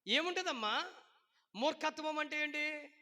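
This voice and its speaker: A man preaching in a high, piercing voice, throwing questions at his congregation and now and then breaking into a shout. The sound rings with the long echo of a church hall. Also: unhurried. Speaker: pastor. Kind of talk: sermon.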